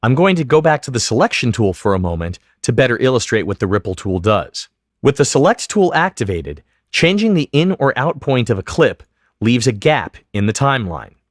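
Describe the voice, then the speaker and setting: A man giving scripted, methodical step-by-step instruction as a software tutorial narrator. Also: mid-range voice, sing-song, brisk, no echo, studio quality. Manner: clear, methodical, step-by-step explanation. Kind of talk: scripted instructional narration over screen demo.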